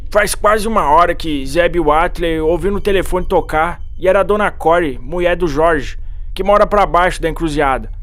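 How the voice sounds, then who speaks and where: A man voicing an excited rustic farmer with a rural Brazilian accent and a folksy way of telling a horror story. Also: on the high side, normal speed, lightly acted. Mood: alarmed, urgent. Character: rustic farmer breathlessly recounting an unseen horror. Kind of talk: dramatized horror audiobook.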